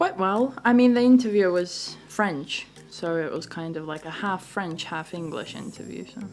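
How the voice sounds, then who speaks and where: A woman with a Finnish accent at a medium pitch and moderate pace, lively in intonation, with hardly any pauses, big swings in loudness and noticeable background noise. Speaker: podcast co-host. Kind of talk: casual educational podcast chat.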